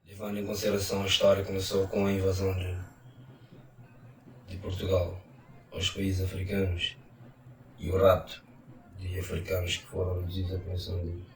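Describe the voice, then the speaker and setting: Low flat man, steady and analytical, echoey room. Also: slight background noise. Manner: measured, analytical. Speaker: interviewee. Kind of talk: reflective documentary interview. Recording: distant, roomy mic with ambience.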